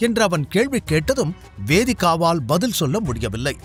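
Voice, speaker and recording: A man with a high, lively voice narrates a scripted audio drama. His reading is dramatic and expressive. Soft music plays underneath. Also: moderate pace. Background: faint background music.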